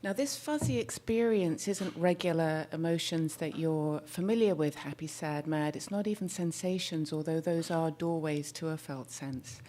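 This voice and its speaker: Soft-voiced woman therapist on a stage mic, low and mellow, searching for words now and then. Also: normal speed, few pauses. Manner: soft-spoken, leans in to the mic; thoughtful, searching for words with small restarts. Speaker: therapist giving a talk. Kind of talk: presentation to an audience.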